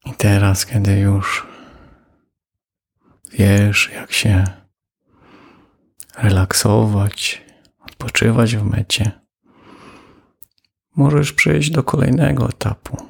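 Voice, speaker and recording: Male meditation guide, very slow, heavy vocal fry, low husky voice. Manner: slow, calm, with long pauses. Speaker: meditation teacher.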